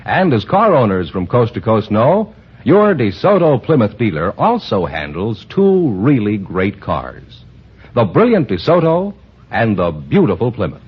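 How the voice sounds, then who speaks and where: Booming vintage radio ad announcer. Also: male voice, huge pitch swings, a little slow, slightly rough. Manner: booming emphatic salesmanship. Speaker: commercial announcer. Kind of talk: scripted sponsor commercial. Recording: muffled old radio broadcast.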